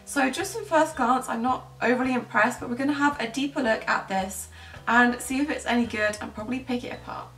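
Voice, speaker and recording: Talking a little fast in a fairly high, fairly bright voice, this young British pet-care vlogger in her twenties chats casually to camera. She is in a small bedroom, and the sound carries roomy echo from a distant mic, with faint music behind her.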